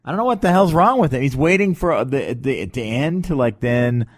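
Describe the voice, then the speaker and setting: A man hosting a podcast in casual, joking banter, talking in a meandering, halting way on a close mic. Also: medium pitch, animated, no room sound. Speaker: podcast host.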